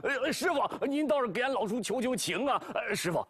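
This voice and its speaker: A lazy, boastful pig-demon monk, put on by a male storyteller, stumbles over his fibs with constant "uh"s. The voice is husky and swings far up and down in pitch. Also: sing-song, brisk. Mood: pleading. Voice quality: husky, full of "uh" hesitations.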